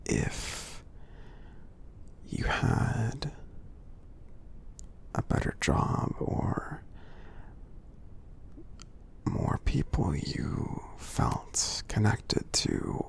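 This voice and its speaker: A man voicing a kindly, encouraging giant for ASMR affirmations, in a soothing, breathy, gravelly whisper. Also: on the low side, wildly swooping pitch, exaggerated voice. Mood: tender, reassuring. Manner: slow, soothing, gently earnest. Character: kindly giant friend, gentle, reassuring, encouraging.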